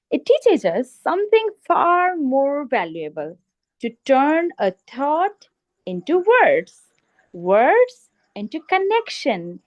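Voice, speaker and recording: A woman hosting a club meeting, giving a formal opening speech with deliberate, emphatic phrasing and rhetorical pauses. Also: high voice. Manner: emphatic, in short list-like phrases. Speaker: meeting host.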